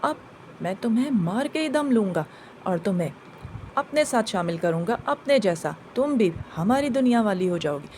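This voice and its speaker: A woman's voice: mid-range voice, expressive, normal speed, darkish tone, a little hiss or hum, pitched below the performer's own voice, lightly acted. A woman voicing a menacing male jinn that takes the form of a black cat, speaking in threats. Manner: threatening, possessive.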